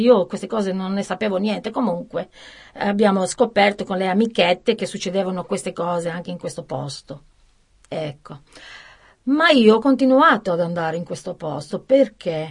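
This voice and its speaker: The voice belongs to a woman. It comes across as somewhat breathy. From Sicily. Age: 60s. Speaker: guest sharing life story. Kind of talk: testimony.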